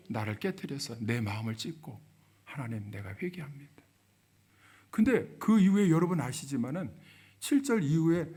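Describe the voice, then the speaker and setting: Korean pastor preaching with sudden swells. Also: male voice. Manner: swings between soft low murmurs and loud emphatic preaching; acts out quoted speech of biblical figures. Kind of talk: sermon.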